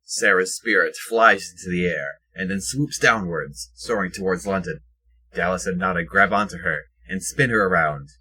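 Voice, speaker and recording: A man's voice: sits low, normal speed, sharp tone, husky, low-quality recording. A man reading scripted present-tense action narration for an audio drama.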